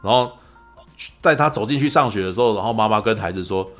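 A man's voice: fairly low pitch, fast, faint music behind. A man with a Taiwanese Mandarin accent, a podcast host in casual film chat who tells stories with energy and acts out the lines he quotes. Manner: animated storyteller, acts out quoted lines, frequent "你知道吗" asides.

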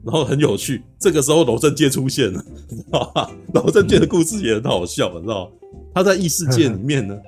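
A man rattles through a story recap at a quick clip, his pitch leaping up and down as he tells it. He talks casually and keeps tossing in "you know?", with faint music behind him. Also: lively intonation, darkish tone. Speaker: podcast host.

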